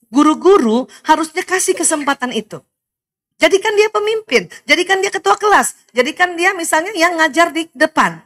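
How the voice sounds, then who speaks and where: A middle-aged woman lecturing to mothers in a lively seminar talk. She laughs often and keeps asking the audience questions. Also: high-pitched.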